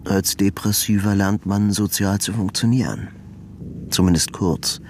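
An actor playing a world-weary, sardonic, depressive investigator, narrating a science-fiction audio drama in the first person with terse muttering. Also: male voice, fairly low pitch, steady tone, a little slow, a little hiss or hum. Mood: bleak, weary. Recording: loud music under the voice.

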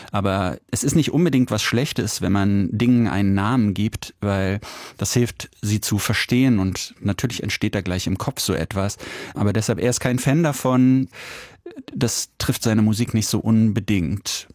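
A male radio host who interviews a guest and sums up his answers in German, explaining them briskly. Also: lowish voice, a little mellow, dry recording, studio quality.

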